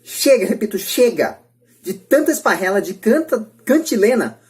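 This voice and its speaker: A woman's voice: mid-range voice, sing-song, moderate pace, a little mellow. A Brazilian woman hosting a podcast debate, speaking in an emphatic, repetitive, opinionated way. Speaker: podcast host.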